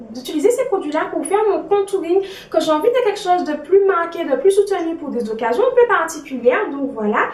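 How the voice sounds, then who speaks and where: A young woman chatting casually through a beauty haul, often filling pauses with "donc voilà". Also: very high voice. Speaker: beauty vlogger. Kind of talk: casual product review. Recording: echoey room, a bit far from mic.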